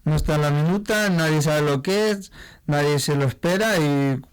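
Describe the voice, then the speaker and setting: A man from La Mancha, a chef, chatting in an interview in an animated way and laughing easily. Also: fairly high pitch, moderate pace, smooth, poor audio. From La Mancha, Spain. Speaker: chef, guest. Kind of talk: casual interview talk.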